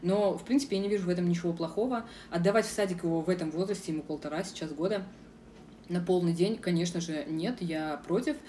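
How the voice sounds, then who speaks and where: A young woman from Russia speaks frankly in a casual vlog, pausing often on filler sounds. Her voice sits a little low and sounds soft and mellow. She is recorded outdoors from some distance, with faint street noise behind her. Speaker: vlogger. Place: outdoors in a city square.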